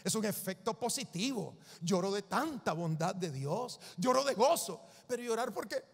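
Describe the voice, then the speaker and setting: A male preacher with a high voice delivers an emphatic sermon, repeating his points to drive them home. The voice rings with a long hall reverb. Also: lively intonation, normal speed, creaky, husky. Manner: emphatic, repeats lists for the congregation.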